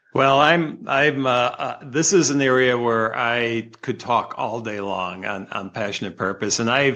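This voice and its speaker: Against a quiet background, a man at medium pitch speaks in a bright, sharp tone with ordinary pitch variation. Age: 60s. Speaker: firm leader. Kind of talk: casual chat. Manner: animated; halting.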